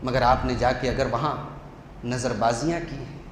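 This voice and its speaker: A man's voice: medium pitch, steady tone, normal speed. A man preaching a sermon in an emphatic, repetitive, rhetorical way. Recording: echoey hall, faint hum.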